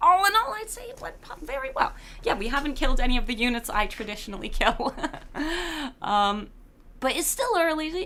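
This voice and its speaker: Over noticeable background noise, a woman speaks fairly quickly in a high, raised, projected voice with very wide pitch swings. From Switzerland. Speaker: game streamer. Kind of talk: live gameplay stream chat. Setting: livestream. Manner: casual, rambling.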